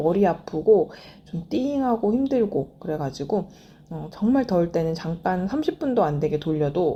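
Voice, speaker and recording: Soft-spoken and somewhat breathy, a woman with a fairly low, dark, mellow voice talks at a moderate pace, her pitch swinging very widely. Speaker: knitting vlogger. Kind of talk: casual chat. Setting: home. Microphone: too quiet, may need boosting.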